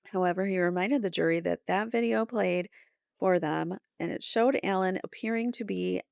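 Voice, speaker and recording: Female recap host, middle-aged, gravelly fry, reads updates with off-the-cuff commentary, dry and slightly lo-fi recording. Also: lowish voice, normal speed, a little mellow, dry recording. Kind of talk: live trial recap, reading posts aloud with casual asides.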